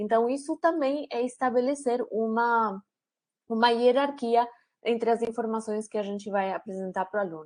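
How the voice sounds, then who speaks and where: Over a quiet background, a woman with a Spanish accent speaks at a fairly high pitch. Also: ordinary pitch variation, moderate pace. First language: Spanish (speaking Portuguese). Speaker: teacher. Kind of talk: online workshop lecture. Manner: hesitant, frequent fillers.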